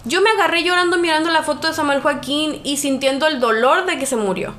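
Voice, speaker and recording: A young woman co-hosting a podcast, telling personal stories in an emotional, animated way with lots of fillers. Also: high-pitched, fairly quick, a little hiss or hum. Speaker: podcast co-host. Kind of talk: casual podcast chat.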